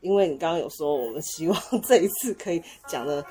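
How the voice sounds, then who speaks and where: A woman's voice: low voice, lively intonation, fast, warm tone, faint music behind. A woman with a Taiwanese Mandarin accent hosting a podcast in a casual, conversational style. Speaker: podcast host. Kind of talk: casual chat.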